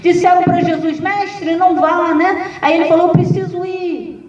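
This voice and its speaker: A woman pastor with a Brazilian Portuguese accent, preaching a sermon with lively, humorous storytelling. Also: extremely high pitch, normal speed, faint music behind. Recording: echoey, distant, dull sound.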